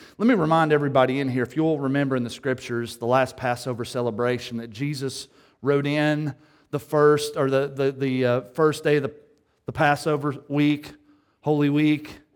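With an East Tennessee accent, a man speaks at a moderate pace. His pitch is fairly high and his intonation fairly even. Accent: Southern US (East Tennessee). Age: 40s. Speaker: pastor. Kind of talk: sermon. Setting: conference hall with live audience.

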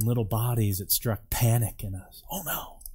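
With an American accent, a man speaks at a medium pitch in a somewhat breathy voice with ordinary pitch variation. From US, Virginia. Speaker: pastor. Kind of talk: sermon.

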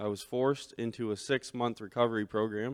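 A man with a Maritime Canadian accent speaks at a fairly quick pace and fairly even intonation against a quiet background. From Saint Stephen, New Brunswick, Canada. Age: 20s. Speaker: recovering addict giving testimony. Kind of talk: testimony. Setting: church service. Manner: halting.

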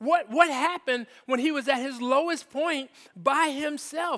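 Projecting his raised voice in an American accent, a man speaks at a moderate pace with a bright, sharp tone and an extremely high pitch, on a very clean recording with a silent background. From US South, Jacksonville, Florida. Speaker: guest preacher. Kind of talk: sermon. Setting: church. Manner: animated.

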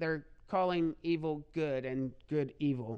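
A man speaks against a quiet background. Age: 40s. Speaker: pastor. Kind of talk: sermon. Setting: church with live congregation. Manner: animated, call-and-response, exhorting the congregation; warm and humorous, conversational preaching.

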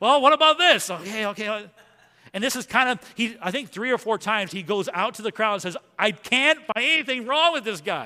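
Raising and projecting his high, bright, sharp voice, a man speaks at a fairly quick pace with lively intonation and big swings in loudness. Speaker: guest preacher. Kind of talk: sermon. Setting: church.

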